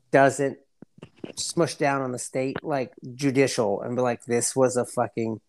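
A man explaining things in casual podcast chat, halting, with slangy, profane frat-bro talk. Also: mid-range voice.

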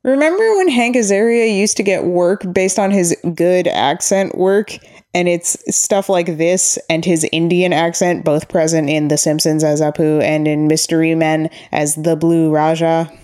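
A woman co-hosting a podcast, reviewing an animated film in casual chat with wry, opinionated remarks and the odd swear word. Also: on the low side, measured pace, clear, resonant tone. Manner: wry, opinionated, profane asides. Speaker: podcast co-host.

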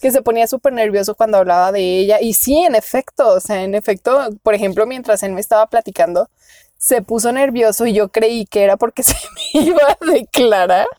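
A woman's voice: fairly high pitch, brisk, dark tone, dry recording. A young woman with a Mexican accent tells a dating story in casual chat, laughing often and squealing when she quotes herself. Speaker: podcast co-host.

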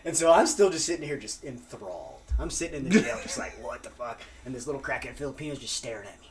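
A man telling a wild story as a podcast guest, animated and profane, acting out what people said. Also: mid-range voice, quick pace, a loud crowd. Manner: animated, profane, acts out quotes. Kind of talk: casual storytelling.

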